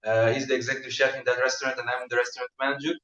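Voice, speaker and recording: A man, a restaurant manager appearing as a guest and speaking in a measured way with frequent hesitations. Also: mid-range voice, level tone, pushed and bright. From Lebanon. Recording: echoey room, distant mic, dull lo-fi.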